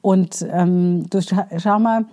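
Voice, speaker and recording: Woman, self-improvement coach; earnest, direct delivery with fillers; lowish pitch. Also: steady tone, slow pace, warm tone. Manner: earnest, direct, many fillers and rhetorical questions. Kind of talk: spoken coaching advice.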